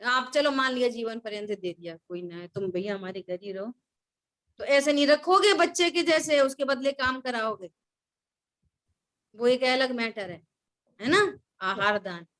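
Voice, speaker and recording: A woman's voice: on the high side, animated, measured pace, long pauses, fairly bright tone. A woman teaching a scripture class, who keeps questioning her listeners and repeating key words.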